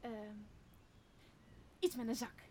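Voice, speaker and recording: A dim and nervous sidekick played by a young woman in a radio play. The voice is highish and eager to please, recorded with noticeable noise. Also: expressive, takes it slowly. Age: young adult. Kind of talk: Dutch audio drama of Shakespeare. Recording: noisy background.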